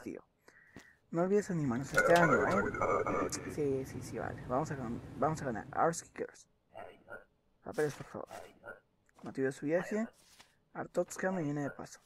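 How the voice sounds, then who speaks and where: A man's voice: fairly high pitch, darkish tone, slight background noise. Young man muttering over gameplay. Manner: mutters and reads documents aloud, joking asides. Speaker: gaming video host. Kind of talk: gameplay commentary.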